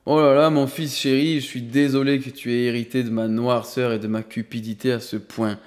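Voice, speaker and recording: Un homme qui prête sa voix à un vieil homme riche, enthousiaste et autoritaire, dans un livre audio, avec une longue réverbération. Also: male voice, medium pitch, level tone, fairly quick, darkish tone, close to an everyday voice. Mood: jovial. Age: older. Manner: enthusiastic, emphatic, playful. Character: exuberant elderly rich grandfather, suddenly generous. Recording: long hall reverb.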